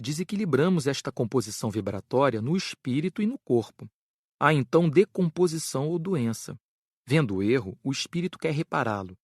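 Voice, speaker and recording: An earnest, didactic spirit teacher with a Brazilian accent , played by a man, speaks in a medium register. He delivers his audiobook lecture with measured care and clear articulation, in a very dry acoustic. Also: mid-range voice, darkish tone, no room sound. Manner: measured, didactic, careful enunciation. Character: Frederico, earnest spirit doctor teaching karma.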